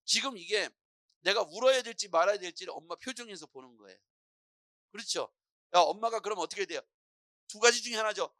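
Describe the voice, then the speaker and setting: A man's voice: sits high, fairly quick, pauses often, no room sound, clean studio sound. A middle-aged male pastor preaching a morning prayer sermon in a church, telling stories and acting out voices as he goes. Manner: lively storytelling preacher, acting out anxious and calm voices.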